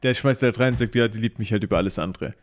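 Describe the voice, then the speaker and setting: A man's voice: lowish voice, rapid-fire. A man chatting casually in a podcast, teasing his co-host and stubbornly defending his point. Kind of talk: casual recap chat.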